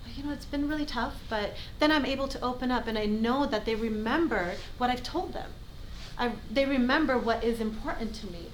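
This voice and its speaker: The talking moves at a fairly quick pace. Both background noise and room echo can be heard. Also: woman. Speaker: real estate sales trainer. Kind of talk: training session. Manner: animated.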